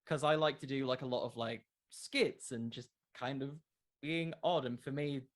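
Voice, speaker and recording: A man's voice: medium pitch, steady tone, moderate pace. Man chatting as a podcast guest. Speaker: podcast creator, interview guest. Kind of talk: casual interview chat about wrestling fiction.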